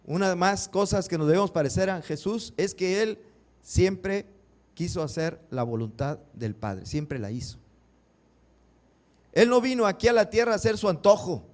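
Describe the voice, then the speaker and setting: Pastor, male, higher voice, sermon delivery with rhetorical questions to the congregation. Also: very animated, moderate pace, a little mellow. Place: church.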